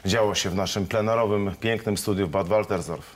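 A middle-aged man hosting a TV studio chat, teasing his guests with quick follow-up questions on a lapel mic. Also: fairly low pitch, steady tone, over a noisy crowd. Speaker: studio host.

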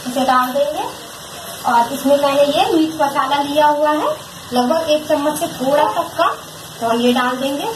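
A woman's voice: sits high, normal speed, reverberant, noisy background. A woman demonstrating a recipe step by step at her home stove, patient, repeating each instruction and speaking directly to viewers. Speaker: home cook presenting a recipe.

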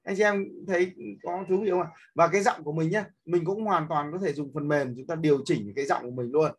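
Guy teaching an app, kinda husky, lots of um and "got it?". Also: a little high, steady tone, fast talker. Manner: hesitant, many fillers and repeated checks. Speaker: instructor. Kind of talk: screen-recorded app tutorial.

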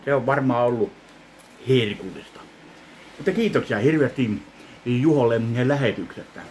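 A man in his thirties opening fan mail in his kitchen in a casual vlog, commenting slowly with wry self-mockery into a webcam. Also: medium pitch, animated, darkish tone, slight background noise, poor audio. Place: home kitchen, indoors. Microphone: webcam in front of him.

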